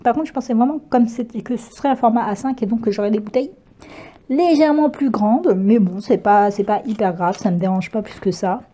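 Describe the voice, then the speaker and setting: A woman's voice: on the high side, brisk, dark tone. A woman chatting casually through a craft haul, hesitant and full of fillers, often laughing at herself. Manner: chatty, hesitant, many fillers and self-corrections, laughs easily. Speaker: craft vlogger. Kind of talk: casual unboxing chat.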